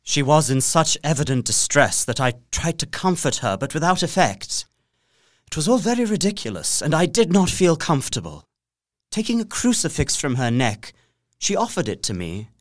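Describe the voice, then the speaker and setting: An actor playing a proper, earnest young English gentleman narrating his journal in an audio drama, precise and expressive. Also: fairly high pitch, moderate pace, dry recording, studio quality. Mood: uneasy. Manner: expressive, precise, faintly bemused.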